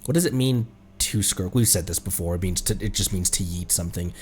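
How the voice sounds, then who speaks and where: A man's voice: low voice, brisk, darkish tone, slight background noise. A man chatting casually on a game livestream, playfully thinking aloud as he goes. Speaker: streamer.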